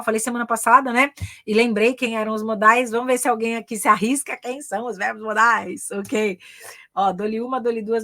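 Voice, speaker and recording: A woman's voice: fairly high pitch, pushed and bright. Chatty Brazilian woman teaching English live. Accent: Brazilian Portuguese. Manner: chatty, repeats "ok?" and "né?" to check in. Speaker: English teacher and career mentor. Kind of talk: live online English grammar lesson.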